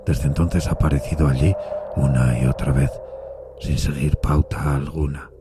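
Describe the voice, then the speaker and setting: An actor playing a haunted, anguished railway signalman who tells his story gravely in an audio drama, with a gravelly, husky voice. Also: a bass voice, fairly even intonation, loud music behind the voice. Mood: troubled, insistent. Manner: grave, troubled, deliberate storytelling. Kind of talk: dramatised Spanish-language audio fiction.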